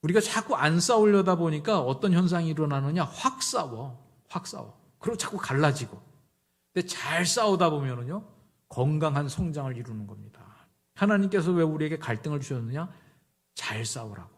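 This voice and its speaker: A man's voice: fairly high pitch, animated, normal speed. A middle-aged male pastor giving a conversational sermon, telling stories and acting out both sides of the dialogue. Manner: conversational storytelling, acts out dialogue.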